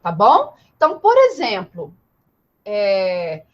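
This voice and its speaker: A woman's voice: mid-range voice, wildly swooping pitch, slow pace, lo-fi sound. A woman with a Brazilian Portuguese accent giving an informal live law lecture, explaining didactically with rhetorical questions and repetition. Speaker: law teacher.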